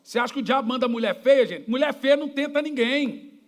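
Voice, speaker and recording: Very high-voiced Brazilian pastor preaching. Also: male voice, a little fast. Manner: jokey, animated, shouting at times. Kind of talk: preaching sermon with storytelling.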